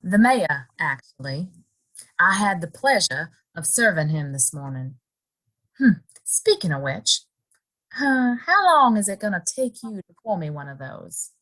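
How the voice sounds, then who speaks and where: A woman's voice: fairly low pitch, very animated, measured pace, fairly bright tone, exaggerated voice, rough recording. A woman playing a lilting, wistful Western saloon girl. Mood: coy, probing. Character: wistful young saloon woman, curious, yearning for better life. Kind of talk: Western audio drama acting.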